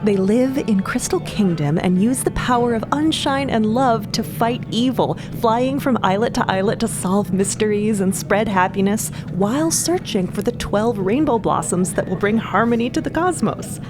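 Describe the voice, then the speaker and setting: A woman's voice: mid-range voice, moderate pace, hardly any pauses, music in the background, pitched above the performer's own voice, natural voice. A woman voicing a cheerful, girlish comic-book fan in an audio drama, chatty and earnest. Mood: bright, earnest.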